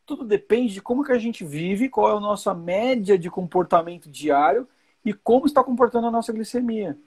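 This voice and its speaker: A man's voice: high voice, expressive, fairly quick, slightly rough. A man in his forties hosting a live chat, explaining with reassurance and repeating key points. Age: 40s. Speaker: host.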